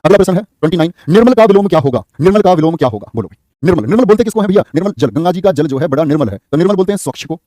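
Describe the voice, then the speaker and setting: A man teaching a Hindi exam-prep class online, drilling questions briskly and teasing his students. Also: on the high side, mellow, no room sound, studio quality.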